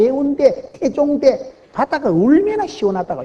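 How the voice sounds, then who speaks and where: Her pitch swings very widely as the woman speaks. Noticeable background noise runs behind her. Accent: Busan. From Busan, Korea.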